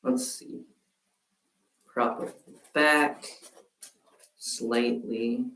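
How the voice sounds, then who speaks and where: Slow, gravelly man chatting in a roomy space. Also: mid-range voice, distant mic. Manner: relaxed, halting, chats to viewers while working. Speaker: streamer. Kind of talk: casual crafting livestream chat. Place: room at home, quilt behind. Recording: roomy sound from off-mic.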